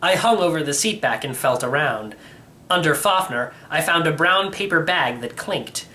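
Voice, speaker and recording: A man's voice: on the high side, expressive, normal speed, bright, forceful tone. A man reading a children's story aloud as a first-person narrator. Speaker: audiobook reader.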